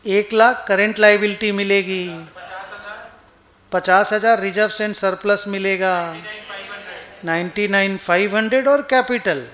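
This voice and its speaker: Bright, high-voiced male accounting teacher. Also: steady tone, slow pace. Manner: conversational, asks students questions often. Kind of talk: classroom lecture. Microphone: online class recording.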